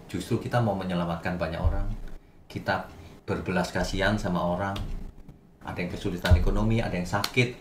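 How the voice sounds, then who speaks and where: A man's voice: sits low, a bit bright. A man preaching as pastor, emphatic and practical, now and then slipping English words into his teaching. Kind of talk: sermon teaching. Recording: distant mic in an echoey room with faint noise.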